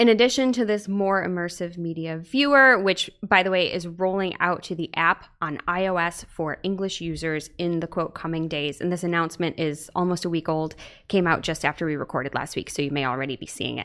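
In an ordinary speaking voice, a woman with a fairly low pitch talks at a fairly quick pace with hardly any pauses and ordinary pitch variation against a quiet background. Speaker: podcast host. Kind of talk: casual chat.

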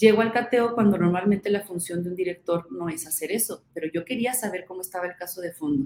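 A woman at a very fast pace, with big swings in loudness and ordinary pitch variation. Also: medium pitch for a woman. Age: 30s. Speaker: local political candidate. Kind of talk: interview.

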